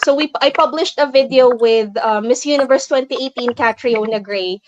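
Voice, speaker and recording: A young woman interviews a guest over a video call, her voice high and bright in pitch. She talks in a chatty, curious way with plenty of fillers. A faint hiss sits under the call. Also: moderate pace. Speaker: host.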